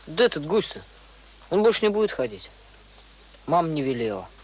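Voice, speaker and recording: A man's voice: on the high side, very animated, fairly quick, slight background noise, poor audio. An actor playing a simple young village boy in a radio play, with plain colloquial speech. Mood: matter-of-fact. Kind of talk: radio drama acting.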